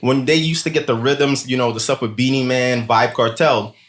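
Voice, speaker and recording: A man's voice: mid-range voice, normal speed. A man in his thirties with a Haitian accent, a guest telling stories in casual interview chat, laughing often and using lots of "like" fillers. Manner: animated storyteller, laughs often, many "like" fillers. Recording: echoey room.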